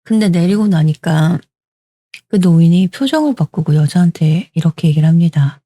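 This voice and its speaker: A woman's voice: fairly low pitch, animated, moderate pace, dark tone, dry recording. A woman in her forties telling a story in a conversational, dramatic way into a studio microphone at home. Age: 40s. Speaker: storyteller host. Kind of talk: told story narration.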